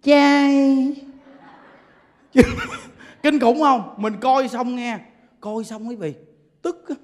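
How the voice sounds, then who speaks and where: A man gives a Buddhist sermon in a very high voice. He tells stories in an animated way and keeps breaking into laughter. Long reverb from a large hall trails after his words. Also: slow pace. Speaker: Buddhist preacher.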